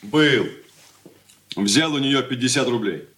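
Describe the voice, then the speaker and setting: An actor playing a cold, irritable grown son who answers curtly in a radio play. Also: male voice, mid-range voice, animated, slow, a bit bright. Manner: curt and dry. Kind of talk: 1980s studio radio play acting.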